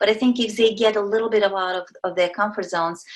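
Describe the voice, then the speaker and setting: A woman's medium-pitched voice with a Russian accent. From Kazakhstan. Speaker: entrepreneur and speaker. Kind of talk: podcast interview. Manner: halting, many fillers.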